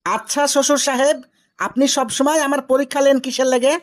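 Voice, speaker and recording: A man's voice: very high-pitched, steady tone, a little fast. A young man with a Rajshahi Bangladeshi accent playing a boastful, cheeky village son-in-law in a comedy cartoon. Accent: Rajshahi Bangladeshi Bengali. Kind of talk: amateur cartoon comedy dialogue.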